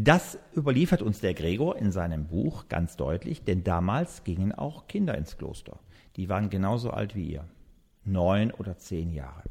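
A man's plain, everyday voice, fairly low in pitch, at a moderate pace. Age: 50s. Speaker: parish priest. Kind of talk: explaining to children. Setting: parish hall.

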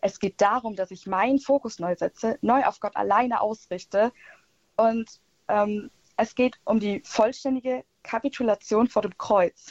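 A woman's unremarkable speaking voice, fairly high in pitch with ordinary pitch variation, at a fairly slow pace, in a dry, close sound with no echo. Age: 20s. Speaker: student, youth camp volunteer. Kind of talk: personal faith testimony in radio interview.

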